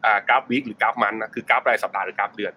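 A man's voice: on the low side, steady tone, rapid-fire, sharp tone, husky. A man, an investment coach, explaining finance in casual talk, mixing in many English market terms and everyday examples.

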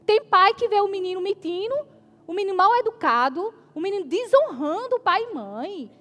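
A woman preacher delivering an emphatic sermon, often asking the congregation "amen?" and reading scripture slowly and deliberately. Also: very high voice, expressive, a bit bright.

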